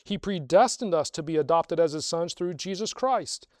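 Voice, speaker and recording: A man preaching a sermon to a congregation, asking rhetorical questions and slowing down to stress key phrases. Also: a little high, animated, no echo, studio quality. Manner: swells louder on key phrases, slows for emphasis. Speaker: pastor.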